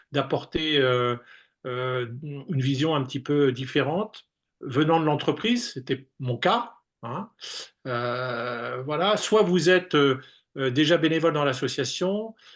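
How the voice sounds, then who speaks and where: A man with a fairly high pitch and ordinary pitch variation talks at a very slow pace. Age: 60s. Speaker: association president, former business consultant. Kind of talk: webinar panel discussion. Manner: hesitant, many fillers.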